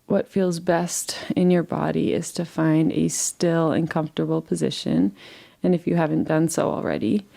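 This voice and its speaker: Mellow, low-voiced woman guiding meditation. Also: gravelly. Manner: soothing, gentle, unhurried with pauses. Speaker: guided meditation teacher. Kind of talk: guided relaxation meditation, live session.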